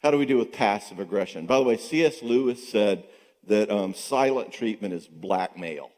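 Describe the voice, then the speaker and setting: An older man, a psychologist, giving an animated conference talk in a church, asking rhetorical questions and acting out quoted voices. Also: lowish voice, moderate pace. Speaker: psychologist speaking at a marriage conference. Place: church sanctuary. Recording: long church hall reverb.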